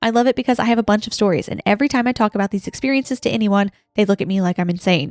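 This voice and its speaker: A woman with a fairly high pitch and ordinary pitch variation talks at a very fast pace, captured in a very clean recording with a silent background and a dry, close sound with no echo. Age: 20s. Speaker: podcast co-host. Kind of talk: reading aloud listener stories.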